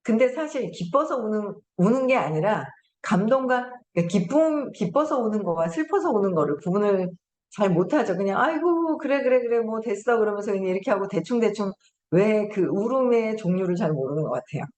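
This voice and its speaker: A middle-aged woman hosts a casual lecture, telling chatty stories and laughing often. Her pitch sits in a mid range. An echoey room surrounds her voice. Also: expressive, brisk, a little mellow, slight background noise. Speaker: host.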